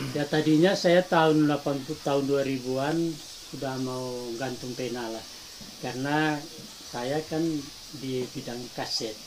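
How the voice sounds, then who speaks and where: A man's fairly high voice at a fairly slow pace, with long, frequent pauses, fairly even intonation and noticeable background noise. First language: Minangkabau (speaking Indonesian). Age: 70s. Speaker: Minangkabau cultural elder and storyteller. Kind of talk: interview. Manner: casual, conversational.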